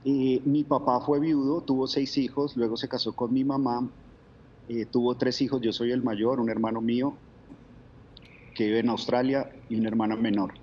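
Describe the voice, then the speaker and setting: A man's voice: medium pitch, level tone, normal speed, dull audio, a little hiss or hum. A man from Bogotá with a Colombian accent, a guest telling his faith story in an interview, reflective and full of fillers. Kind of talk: testimony interview.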